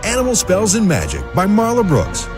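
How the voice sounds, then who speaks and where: Promo announcer: man, higher-pitched, hugely varied intonation, selling copy over clear music. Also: huge pitch swings, moderate pace. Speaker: advertisement announcer. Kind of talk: scripted book promo read. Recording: music bed under voice. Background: clear background music.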